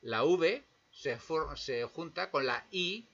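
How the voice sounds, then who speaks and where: The recording sounds dull and lo-fi. A man with a high-leaning, animated, somewhat bright voice teaches English pronunciation, patiently repeating example words slowly and checking in with the listener using tag questions.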